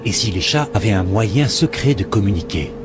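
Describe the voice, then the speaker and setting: A man's voice: lowish voice, lively intonation, moderate pace, noisy background. A computer-generated robot voice of a man, reading a serious, ominous scripted voice-over straight to the viewer. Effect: synthetic text-to-speech robot voice. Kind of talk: scripted conspiracy-video voice-over. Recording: loud scary film music behind. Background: loud horror music.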